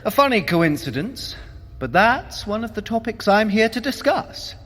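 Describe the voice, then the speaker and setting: A man's voice: high voice, sing-song, moderate pace, a bit bright, in a large hall, full character voice. An actor playing a haughty, sly male trickster god in an audio drama, wry and theatrically imperious. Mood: haughty, commanding.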